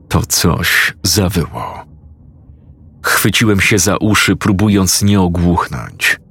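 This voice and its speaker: A man reading a first-person horror story in a grave, measured, scripted way. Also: low-pitched, breathy edge. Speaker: narrator.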